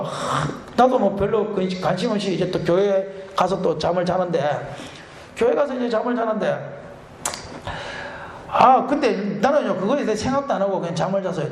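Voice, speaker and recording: A middle-aged man, a pastor, preaching a revival sermon and telling a personal story with animated, laughing delivery. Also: high voice, a little hiss or hum. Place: church sanctuary. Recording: echoey church hall.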